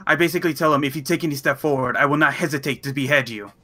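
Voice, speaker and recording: A man's voice: fairly high pitch, racing, pushed and bright. A man playing a tabletop roleplaying game, earnestly describing what his character says in somewhat formal phrasing. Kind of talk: casual chat, describing his character's speech.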